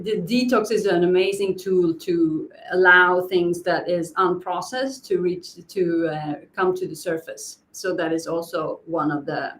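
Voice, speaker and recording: A woman teaching a live wellness masterclass, hesitant and searching for words as she explains. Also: fairly low pitch. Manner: hesitant, many fillers and restarts, searching for words. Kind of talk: unscripted live teaching talk. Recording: echoey room.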